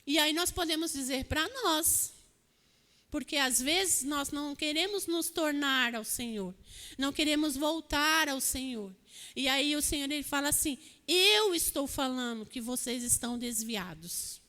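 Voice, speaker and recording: A woman's voice: sits high, measured pace, pushed and bright. A woman preacher giving an earnest sermon, often asking the congregation for an amen. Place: church hall. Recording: long church-hall reverb.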